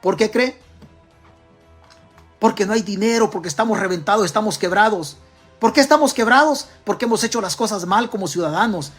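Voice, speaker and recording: A man's voice: high voice, fairly quick, fairly bright tone, husky, faint music behind. A man with a Salvadoran accent giving political commentary to camera, emphatic and firing rhetorical questions straight at his audience. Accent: Salvadoran Spanish.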